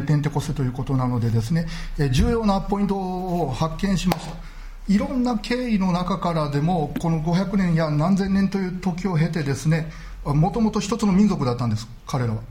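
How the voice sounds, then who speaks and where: Earnest pastor with a slightly high voice. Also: male voice, expressive, mellow. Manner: measured, earnest preaching with frequent filler words. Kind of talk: sermon.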